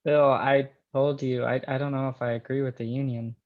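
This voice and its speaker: A man's voice: medium pitch, level tone, normal speed, narrow, tinny audio, lightly acted. A man playing a wary, defensive coal miner with a hesitant delivery at a script table read. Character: wary, defensive miner reluctant about the union.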